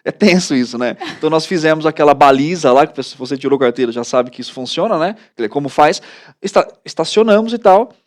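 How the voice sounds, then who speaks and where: Brazilian pastor guy telling stories all excited, voice a bit high, lots of "né". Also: fast. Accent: Brazilian Portuguese. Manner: animated storytelling, many "né" tags. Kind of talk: casual studio talk.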